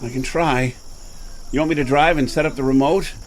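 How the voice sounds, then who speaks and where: A man's voice: medium pitch, steady tone, a little fast, close to an everyday voice. An actor playing a nervous, folksy truck driver who frets and sweet-talks his vehicle. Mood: jittery. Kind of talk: radio drama acting. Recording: noisy radio-play track with effects.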